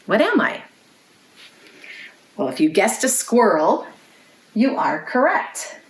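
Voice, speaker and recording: A woman's voice: on the high side, very animated, slow pace. Echoey woman reading storytime to young children. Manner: clearly phrased, interactive, asks children questions. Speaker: children's librarian, storytime host. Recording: roomy, echoey indoor sound.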